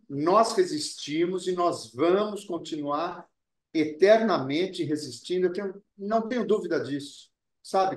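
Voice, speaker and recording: A man whose first language was Italian, speaking in an earnest, deliberate way and often circling back on his own words. His voice sits a little high for a man. The sound carries a clear echo from the room. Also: darkish tone. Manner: earnest, deliberate, repeats words while thinking. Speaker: actor, interview guest. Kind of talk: reflective interview talk.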